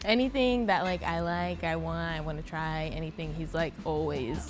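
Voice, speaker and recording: A woman doing easygoing dating-show talk in a lowish voice, sprinkling you-knows. Steady noise fills the background. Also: moderate pace. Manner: relaxed, laid-back with you-knows.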